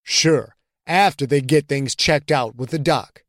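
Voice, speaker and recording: A man's voice: a little high, measured pace, no room sound. A man voicing an older veteran athlete who talks in a dry, laid-back way. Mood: calm. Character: older, unflappable veteran male player.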